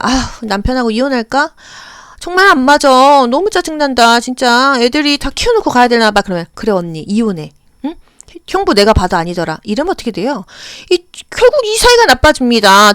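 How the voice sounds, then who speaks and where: A woman lectures on exam material in a lively, higher voice that rises and falls widely. Her tone is smooth and clear, and the sound is dry and close. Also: no room sound. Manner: animated, acts out short dialogues and sound effects. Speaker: exam-prep lecturer for care workers. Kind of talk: audio lecture with acted examples.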